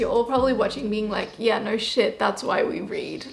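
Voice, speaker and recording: Music plays behind a woman speaking in an animated tone. The room echo is audible. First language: not English. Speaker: lifestyle YouTuber. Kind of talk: casual vlog talk to camera.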